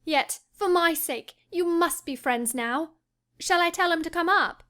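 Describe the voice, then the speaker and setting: A woman's voice: sits high, lively intonation, normal speed, fairly bright tone, pitched above the performer's own voice. A woman reading an audiobook, voicing an impulsive, passionate young lady who talks breathlessly and eagerly. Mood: insistent. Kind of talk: audiobook character voice.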